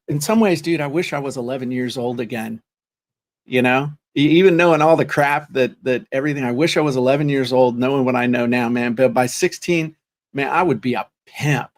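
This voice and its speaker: A man's voice: medium pitch, normal speed. A man co-hosting a podcast in casual chat, rambling and joking with lots of restarts. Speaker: podcast co-host.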